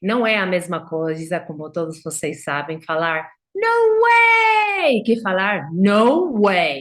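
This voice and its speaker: With a Spanish accent, a woman speaks at a very slow pace with hardly any pauses. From Argentina, Buenos Aires. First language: Spanish (speaking Portuguese). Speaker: interpreter and translator. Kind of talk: lecture. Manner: hesitant, repeats words.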